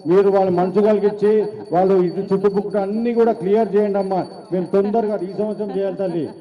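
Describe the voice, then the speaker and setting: A man's voice: high voice, fairly even intonation, quick pace. A man with a Telangana accent pleads deferentially and repetitively as a devotee petitioning an oracle. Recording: dull sound in reverberant space.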